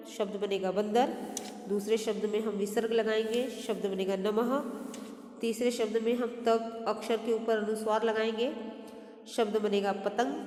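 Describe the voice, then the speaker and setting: A woman teacher slowly working through a textbook exercise, spelling out words and correcting herself as she goes. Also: fairly high pitch. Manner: slow, deliberate word-by-word dictation with self-corrections. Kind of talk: step-by-step textbook lesson. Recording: echoey room with long reverb.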